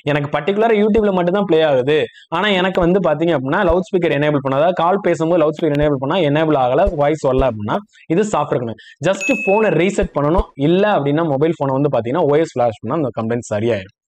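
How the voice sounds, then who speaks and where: A man with a fairly high voice speaks very quickly as an instructor. He explains things step by step, pausing to check that the listener follows. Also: a little mellow. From India. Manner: explanatory, checks understanding with short questions. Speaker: phone repair instructor. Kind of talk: spoken tutorial, step-by-step explanation.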